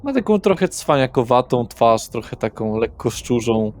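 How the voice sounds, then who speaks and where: A man is running a tabletop role-playing game as its narrator. His voice is mid-pitched with very lively intonation. He describes characters and scenes in loose, conversational language. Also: moderate pace. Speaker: game master.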